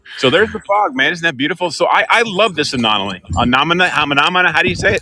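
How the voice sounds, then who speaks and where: A man's high-pitched voice at a very fast pace with lively intonation, over noticeable background noise. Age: 60s. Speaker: community college student, caller. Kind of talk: casual chat.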